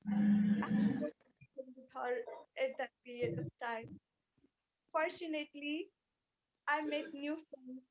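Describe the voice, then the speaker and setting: A woman who is a non-native English speaker, giving a rehearsed personal speech in an earnest, emotive way with deliberate repetition. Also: high-pitched, fairly even intonation, darkish tone, dull audio, slight background noise. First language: not English. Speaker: speech club participant giving a practice speech.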